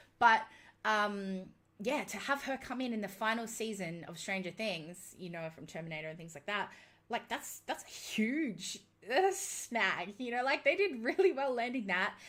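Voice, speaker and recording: The speech moves at a moderate pace, with lively intonation and big swings in loudness. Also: woman, fairly high pitch for a woman. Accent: Australian. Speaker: YouTuber. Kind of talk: live stream chat. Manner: stutters when excited.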